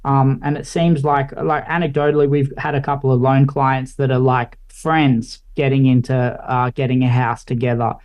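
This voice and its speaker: A young Australian man in his late twenties talks casually as a podcast guest. His voice is warm and dark-toned, sitting at an ordinary pitch. He rambles loosely, filling gaps with "like" and "I guess". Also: normal speed, few pauses. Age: late 20s. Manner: relaxed, rambling, many fillers like "like" and "I guess". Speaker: guest, finance analyst.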